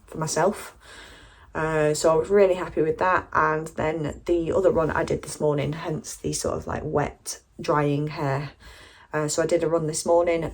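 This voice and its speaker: A woman's voice: low-pitched, slightly rough. A British woman chatting casually to camera as a vlogger, in a candid, rambling, slightly hesitant way. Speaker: running vlogger.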